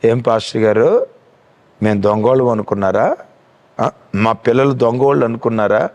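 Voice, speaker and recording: A man voicing an indignant middle-aged father who defends his daughter with accusing questions, in a lower voice than his own. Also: fairly even intonation, normal speed, darkish tone, highs cut off, natural voice.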